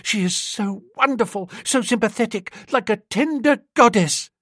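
A man voicing an excitable, lovestruck young upper-class man who gushes eagerly and rushes his words. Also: high voice, no room sound, clean studio sound, pitched above the performer's own voice. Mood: gushing. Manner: gushing, eager, rushing ahead.

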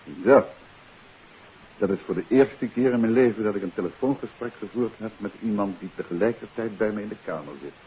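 A Dutch actor playing a composed, wry gentleman detective in a 1950s radio play, on an old recording. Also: lowish voice, brisk, lo-fi sound, slight background noise, close to an everyday voice. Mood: wry, unruffled.

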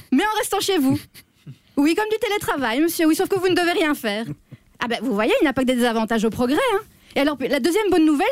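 A woman playing a chatty job-center clerk who talks to an unheard caller, slightly hoarse and full of fillers. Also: high voice, a little mellow, no echo, clean studio sound. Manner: gossipy, talks to an unheard caller, constant "hein". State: a little hoarse. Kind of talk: comedy sketch on radio.

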